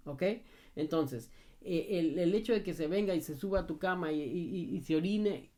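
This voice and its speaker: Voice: mid-range voice, darkish tone. Dog trainer, casual advice video: direct, emphatic, repetitive, checks in with "ok?". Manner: emphatic and repetitive, often asks "ok?"; talks straight to the viewer in familiar second person.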